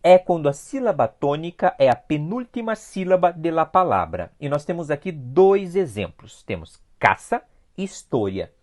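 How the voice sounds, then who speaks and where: A Brazilian teacher leads an online review lesson, and their pitch rises and falls in a lively, animated way. They go through the material patiently and step by step, repeating key points. They often pause to check in with the class. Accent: Brazilian Portuguese. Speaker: Spanish teacher.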